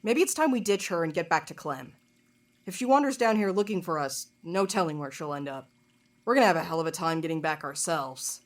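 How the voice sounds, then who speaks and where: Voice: mid-range voice, animated, a little fast, dry recording, natural voice. A performer playing a blunt, wry and loyal tough companion in an audio drama. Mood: brisk, practical.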